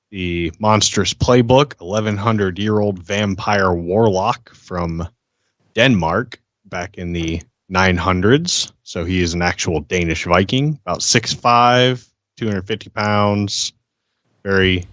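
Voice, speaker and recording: A man's voice: lowish voice, fairly bright tone, dry recording, muffled recording. A man in his thirties speaking casually and matter-of-factly as a podcast player. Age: 30s. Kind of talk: casual character introduction.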